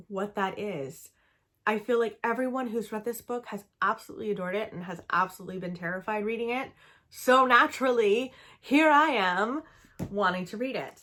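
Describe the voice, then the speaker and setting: Woman, young adult, from Canada, casual vlog talk, enthusiastic, filler-heavy, middle pitch. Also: a bit bright. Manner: chatty and enthusiastic, frequent "um" and "like". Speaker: book vlogger. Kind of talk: casual book-review vlog.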